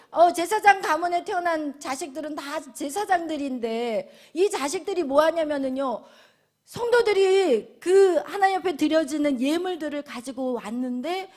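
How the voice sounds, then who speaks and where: A middle-aged woman pastor from South Korea preaching a sermon. She swings from loud lines to whispers, acts out quoted voices and keeps asking the congregation questions. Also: sits high.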